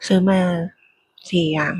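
A woman whispers quietly and breathily in an ASMR eating commentary, murmuring unhurriedly close to the microphone. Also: unhurried, no echo. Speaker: food ASMR host.

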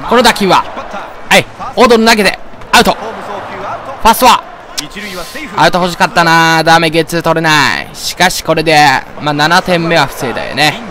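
Excitable man ranting over games. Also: fairly high pitch, brisk, long pauses. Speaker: gaming video host. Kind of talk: let's play commentary. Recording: game crowd noise behind.

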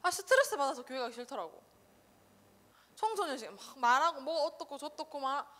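Woman children's preacher, high and lively, quizzing the kids, long church-hall reverb. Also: a little fast, very noisy. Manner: animated, quizzes listeners with rhetorical questions. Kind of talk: casual sermon to children. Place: church sanctuary.

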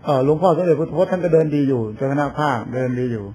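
A man's voice: on the high side, very fast, warm tone. An older man, a Buddhist monk, giving an informal sermon in a chatty storytelling way, acting out other people's lines as he goes. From Thailand. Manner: chatty storytelling with laughs and quoted voices.

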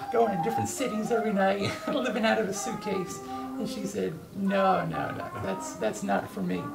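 A man's voice: high voice, vocal fry, far from the mic, rough recording. A man in his thirties, an archivist, eagerly explaining and telling stories in an interview. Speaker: archivist and guide. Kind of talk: enthusiastic storytelling interview. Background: music.

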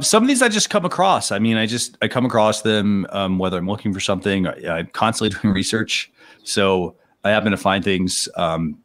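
A man's voice: lowish voice, fairly bright tone. A man hosting a casual live-streamed talk show over a video call, rambling and leaning hard on "you know" fillers.

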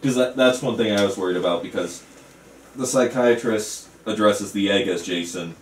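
A man's voice: fairly low pitch, normal speed. A man speaking casually in a discussion around a table, as the writer of a script. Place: small indoor room. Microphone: camera microphone in the room. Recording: roomy indoor sound, faint noise.

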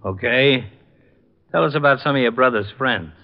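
An actor playing an earnest police lieutenant in an old radio drama, plain-spoken and matter-of-fact. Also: male voice, medium pitch, normal speed, close to an everyday voice. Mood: gentle questioning. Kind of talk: 1950s radio drama acting. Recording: muffled old radio recording.

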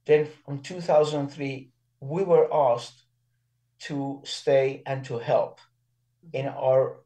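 Iranian-born man in his 60s, mellow. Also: medium pitch, steady tone. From Iran. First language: Persian and Armenian. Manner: earnest, halting, with many restarts. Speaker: guest. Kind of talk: casual interview.

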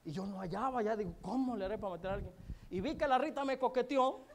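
A man speaking in a rather high register and telling his success story as a motivational speaker. He jokes constantly and throws asides and questions at the audience in a relaxed, colloquial tone. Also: fast talker, a little hiss or hum. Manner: joking, colloquial, chatty with many asides to the audience. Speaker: motivational speaker at a business event. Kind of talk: humorous storytelling to a live audience.

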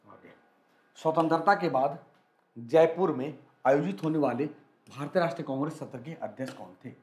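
Energetic male exam-prep teacher, echoey room. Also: fairly high pitch. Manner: energetic, repetitive, coaxing students to answer quickly. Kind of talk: live quiz lesson for students.

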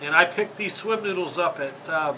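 A stuffy, congested man with a Michigan accent talks in a chatty, rambling way, apologizing as he goes. His voice sits a bit high and sounds bright and edgy. A faint room hum sits under the speech. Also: moderate pace, low-quality recording. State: congested from a sinus infection. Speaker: fishing channel host. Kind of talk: casual how-to video. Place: indoor tackle workshop.

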